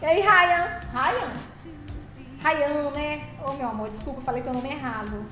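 A woman with a high voice chats casually on a live stream. She teases her viewers and thanks them by name, sometimes slipping into a sung phrase. The room is echoey, with faint music underneath. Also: a little slow, pushed and bright.

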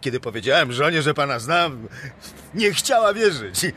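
Forceful, chummy parking attendant. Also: male voice, on the high side, sing-song, normal speed, slight background noise. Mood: admiring, chummy. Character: admiring, chummy male car park attendant. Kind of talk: radio drama acting.

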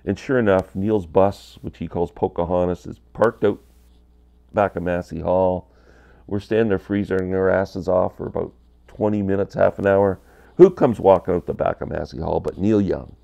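On an earbud mic, a man in his fifties vlogs from a small indoor basement about records, his voice low, mellow and gravelly at a moderate pace with fairly even intonation. Congested from a cold, he rambles in a chatty, candid way and gestures a lot with his hands.

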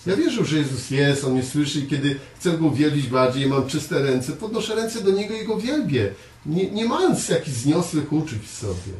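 A man preaching a conversational sermon to a small congregation, earnest, often repeating words and pausing on fillers. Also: fairly high pitch, very animated, darkish tone. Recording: echoey room, voice from far off, faint hiss.

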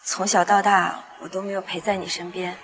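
A woman's voice: lowish voice, level tone, brisk, a bit bright. Tender widowed mother at a graveside. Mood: tender, regretful. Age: middle-aged. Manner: tender, reflective talk at a graveside. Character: loving middle-aged widowed mother visiting her husband's grave. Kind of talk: screen drama acting. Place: outdoors in a wooded park.

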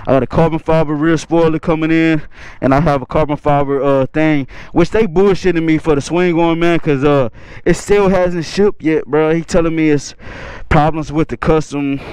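A man's voice: fairly high pitch, a little mellow, smooth, no room sound, poor audio. A man talking casually to his viewers in a slangy, laid-back way, recorded while riding a motorcycle. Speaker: motovlogger. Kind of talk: casual motovlog talk to viewers. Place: riding a motorcycle outdoors on city streets. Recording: faint road and traffic noise.

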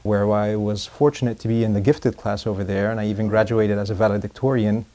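A man in his forties who grew up in Egypt, a urologist answering interview questions in a measured, thoughtful way, often restarting his sentences. He speaks in a quiet room with curtains, on a lapel mic. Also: lowish voice, steady tone. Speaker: urologist guest. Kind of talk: interview conversation.

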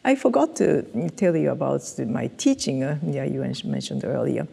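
A woman's voice: rumbling low, wildly swooping pitch, normal speed, gravelly, dark tone, breathy edge, big-room sound. An older woman with a Japanese accent, speaking English as a second language in an oral history interview, hesitant with many fillers and restarts, recorded on a headset mic in a studio. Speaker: interviewee, physiologist. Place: dark studio set, indoors.

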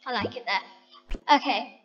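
A woman's voice: fairly high pitch, takes it slowly, fairly bright tone, in a large hall, muffled recording, faint music behind. A woman chatting to her viewers as she decorates a house in a game, thinking aloud. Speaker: vlogger. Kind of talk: casual game commentary.

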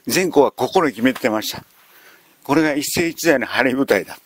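A man telling a history lesson as a lively story, acting out the quotes along the way. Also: medium pitch, normal speed, breathy edge. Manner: animated, acts out quotes. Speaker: history lecturer.

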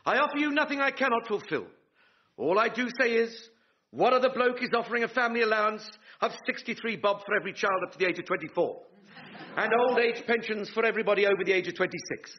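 A man's voice: high-pitched, animated, fast talker. An actor playing a pompous, deluded Englishman with political dreams, in a colloquial, oratorical manner for a radio sitcom. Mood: grandiose oratory. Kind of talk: radio sitcom acting before a live audience. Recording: dull, noisy radio sitcom recording with clicks.

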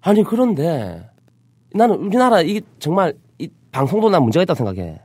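A man's voice: on the high side, wildly swooping pitch, a little fast, darkish tone, slightly rough, no echo. A man in his forties with a Busan dialect, telling stories in a casual talk-show chat and mimicking other voices. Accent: Busan Gyeongsang dialect. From Busan, South Korea. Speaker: show host.

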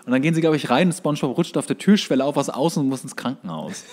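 A man speaks at an average male pitch. He co-hosts a podcast and talks in an informal, conversational way, as friends do. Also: expressive, fast talker, darkish tone. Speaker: podcast co-host. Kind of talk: casual chat between friends.

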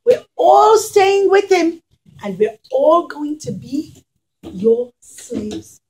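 A woman's voice: extremely high pitch, very animated, drawn-out words, warm tone, exaggerated voice, low-quality recording. A woman voicing anxious, remorseful brothers in a children's puppet story, wailing with stretched-out words. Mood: loud pleading. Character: group of remorseful, anxious, loyal grown brothers.

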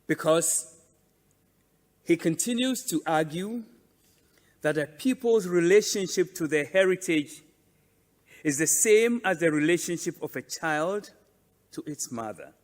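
A man delivers a formal, prepared address in a somewhat high voice. He speaks very slowly and deliberately, leaning on phrases between pauses, and his words ring with long reverb in a large hall. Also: expressive. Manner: deliberate, measured, emphatic with pauses. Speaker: conference speaker presenting a museum.

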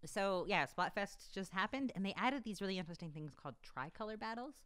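A young adult woman co-hosting a podcast at home, talking in a rambling, animated way full of fillers, close to a desk mic. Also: mid-range voice, brisk, clean tone. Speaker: podcast co-host. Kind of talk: casual chat. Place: home studio room with bookshelves. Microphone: desk broadcast mic on boom arm.

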